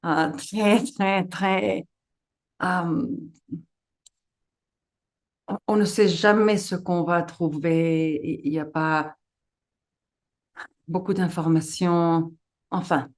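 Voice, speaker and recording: A middle-aged woman, a non-native speaker with a foreign accent, giving an informal webinar talk as a guest and haltingly searching for her words. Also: fairly low pitch, fairly even intonation. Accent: foreign accent in French. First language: not French.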